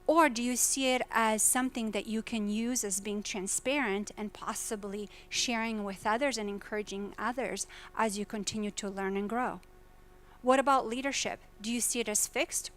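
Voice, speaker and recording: A woman's voice: on the high side, fairly bright tone. A woman from Croatia giving an earnest talk to a conference audience, putting questions to the listeners. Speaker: faculty presenter. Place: lecture hall at a business summit.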